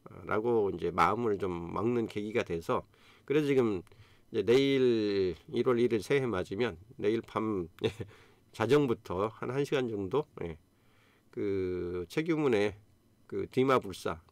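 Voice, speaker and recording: A man's voice: fairly low pitch, a little slow, no room sound. Earnest Korean man in his fifties. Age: 50s. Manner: earnest, encouraging, many fillers. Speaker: YouTube host. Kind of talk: casual live-stream talk.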